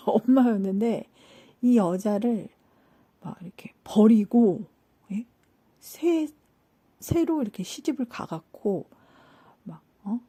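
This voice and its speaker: A woman hosting a spiritual talk, telling an anecdote in a casual, animated way, acting out quoted lines and asking the listeners rhetorical questions. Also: medium pitch, slow, long pauses, breathy edge. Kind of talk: casual storytelling lecture.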